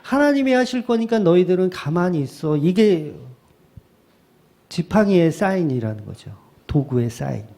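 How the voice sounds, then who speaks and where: Korean pastor guy preaching, kinda high voice but mellow tone, lively with little acted bits. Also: vocal fry. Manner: lively preaching, acting out the crowd and Moses in quick asides. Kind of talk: sermon.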